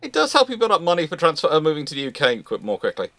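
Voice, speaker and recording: A man's voice: fairly high pitch, huge pitch swings, very fast, fairly bright tone, no room sound. A man hosting a casual live question-and-answer talk, hesitant and often restarting his phrases. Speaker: host of a live naval history question-and-answer show.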